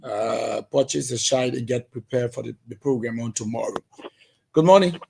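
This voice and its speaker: A man's voice: mid-range voice, moderate pace, vocal fry, warm tone, husky. A man with a Liberian English accent hosting a live call-in radio program and reading out phone numbers. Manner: announcing phone numbers and taking calls. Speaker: radio show host.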